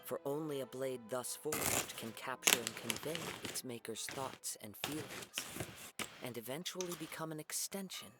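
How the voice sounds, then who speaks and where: A reserved young samurai, played by a man speaks calmly and politely at a middle pitch. Game music plays clearly behind him. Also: moderate pace, lightly acted. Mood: explaining. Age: young adult. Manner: calm, polite and composed. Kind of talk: video game voice acting. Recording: game score playing behind.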